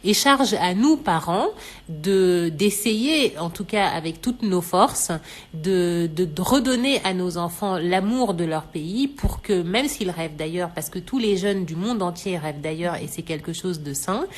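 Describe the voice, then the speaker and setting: A woman from Senegal explaining on a radio talk show, measured and thoughtful, with many fillers. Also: on the low side, lively intonation. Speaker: radio show expert guest.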